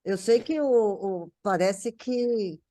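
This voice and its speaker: A woman's voice: mid-range voice, lively intonation, slow pace, dark tone. A Brazilian woman speaking casually as a panel guest, recalling a writer's work and often repeating words as she searches for phrasing. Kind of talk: casual conversational recollection.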